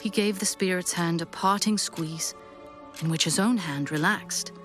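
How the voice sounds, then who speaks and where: A woman narrating a scripted audio drama, expressive and deliberate in her storytelling. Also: on the low side, faint music behind.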